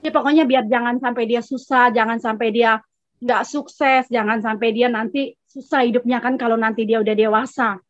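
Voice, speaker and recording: A woman with a high voice tells her testimony in a chatty, lively way, voicing herself and the other person in turn. The sound is dry and a little dull. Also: moderate pace, no echo. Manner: chatty, acts out both sides of a dialogue. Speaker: congregation member giving a testimony. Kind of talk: casual storytelling testimony.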